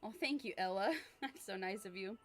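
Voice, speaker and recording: A woman's voice: medium pitch, normal speed. Chatty young woman streaming her sketching. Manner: chatty, rambling, reads viewer comments aloud; frequent fillers and laughs, relaxed. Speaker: art livestreamer. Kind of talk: casual livestream chat while sketching.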